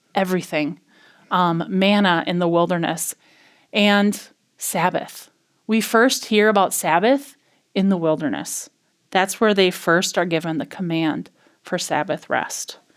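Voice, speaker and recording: A woman at medium pitch speaks fairly slowly with long, frequent pauses and ordinary pitch variation on a very clean recording with a silent background. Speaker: pastor teaching bible study. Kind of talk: lecture. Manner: casual, enthusiastic.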